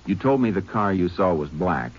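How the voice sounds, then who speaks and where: A dull vintage radio recording carries a low-voiced American Texas Ranger. He is calm and methodical, speaking with matter-of-fact restraint in old-time drama style. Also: slight background noise. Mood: calm probing. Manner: measured, matter-of-fact questioning. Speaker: lead actor and narrator. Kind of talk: 1950s radio drama acting and narration.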